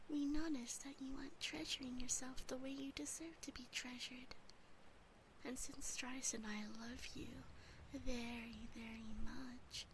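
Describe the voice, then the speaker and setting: A woman acts out an affectionate, possessive demon sister with a touch of haughty embarrassment. The voice is very high and soft, slow and breathy, often near a whisper in a close-miked ASMR roleplay with faint noise behind it. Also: steady tone. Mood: tender, explaining. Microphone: close binaural microphone.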